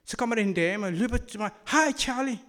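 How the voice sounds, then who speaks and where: A man giving an earnest sermon, telling personal stories and moving between loud and soft delivery. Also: high voice. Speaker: church speaker; school worker.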